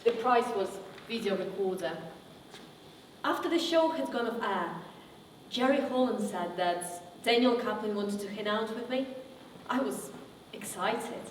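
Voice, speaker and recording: A woman acting as a haunted woman delivers a dramatic stage monologue in a fairly high voice. She speaks deliberately, with halting pauses. The sound is distant and reverberant. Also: animated. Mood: subdued, uneasy. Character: woman recounting childhood memories, wry then wounded and haunted. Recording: echoey reverberant room, distant mic, faint noise.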